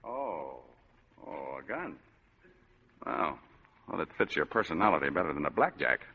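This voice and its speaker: An actor playing a wisecracking hard-boiled private eye in an old-time radio drama, dry and sardonic. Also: male voice, extremely low pitch, sing-song, moderate pace, vocal fry, husky, exaggerated voice. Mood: wry. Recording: dull old radio broadcast.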